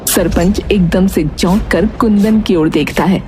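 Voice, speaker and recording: A woman's voice: mid-range voice, measured pace, warm tone, soft background music. A woman giving scripted narration for a moral story.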